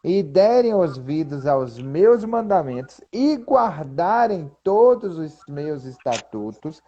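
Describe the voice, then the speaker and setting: Man, mellow voice, lo-fi sound. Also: fairly high pitch. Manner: animated, reads scripture aloud slowly with emphasis. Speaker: co-host. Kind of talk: casual Bible discussion. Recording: dull lo-fi sound.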